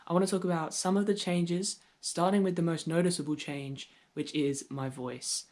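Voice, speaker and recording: A young trans man, early in his transition with his voice starting to deepen, speaking candidly and reflectively in a personal video diary with touches of gentle humor. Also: steady tone, normal speed. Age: young adult. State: voice deepening on testosterone. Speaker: vlogger.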